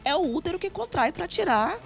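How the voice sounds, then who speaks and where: A young Brazilian woman doctor explains women's health on daytime TV in a clear, methodical way, listing terms one by one. She holds a handheld mic, with faint music underneath. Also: very high voice, sing-song, brisk. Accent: Brazilian Portuguese. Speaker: gynecologist guest. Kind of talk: explaining medical facts on TV. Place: TV studio set.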